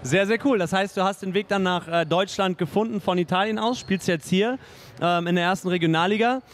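A middle-aged man with a high-pitched voice hosts a sports interview at a fairly quick clip, talking into a handheld mic. He's upbeat and chatty, saying "nice" and "ähm" a lot as he handles the interview and announcements in an indoor studio before a sponsor wall.

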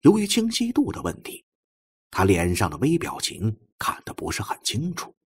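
Guy reading a novel audiobook, raspy voice, super animated pitch, dramatic storytelling. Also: normal speed. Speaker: audiobook narrator. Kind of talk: dramatic scripted novel narration.

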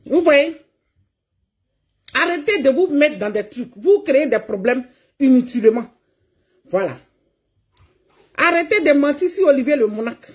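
A woman with a notably high voice, running a heated livestream rant. She talks combatively and mockingly, laughing as she scolds her targets. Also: lively intonation, measured pace, pauses often, a little mellow. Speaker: online streamer.

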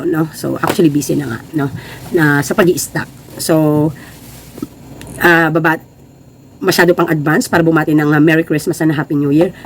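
A woman's voice: on the low side, a little hiss or hum. A woman who runs a store, giving casual advice to other sellers on a livestream, laughing often and ending lines with tag questions. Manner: mixes English phrases into her talk.

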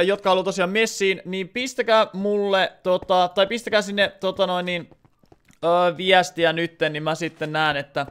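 Smooth-voiced man streaming a game. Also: high voice, a bit bright. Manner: rambling, many filler words. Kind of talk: live gameplay stream, chatting with viewers.

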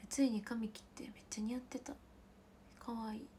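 A woman with a Kansai accent chatting casually with livestream viewers as the host, giggling often and slipping into soft whispered asides. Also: fairly high pitch, little pitch movement, fairly quick, a little hiss or hum. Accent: Kansai Japanese.

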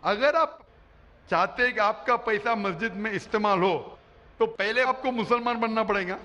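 A middle-aged Islamic preacher answers audience questions in a public Q&A lecture on a huge indoor arena stage before a large crowd. His fairly high, bright, forceful voice explains points emphatically at normal speed, and he often asks "you understand?" to check they follow. Using a stand microphone, he's captured in lo-fi sound with a long hall reverb trailing his words.

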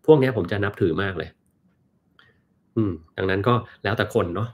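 A man casually answering viewer questions on a live stream, relaxed and joking. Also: on the low side, normal speed. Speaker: host answering live chat.

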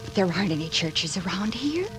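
A woman's voice: medium pitch, sing-song, fairly quick, natural voice. An actress in a 1940s radio drama playing a frightened young woman who speaks fearfully and pleads. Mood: scared. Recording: old radio broadcast with music.

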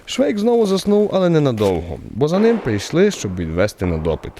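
A man narrating a literary radio drama as the wry author's voice, in an expressive, theatrical way. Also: a little high, brisk, a little hiss or hum.

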